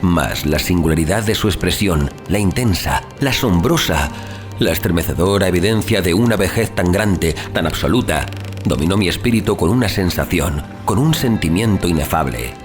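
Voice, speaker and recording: A man narrating a horror audiobook in a measured, solemn, theatrical manner, as a dramatic scripted reading. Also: low voice, animated. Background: music.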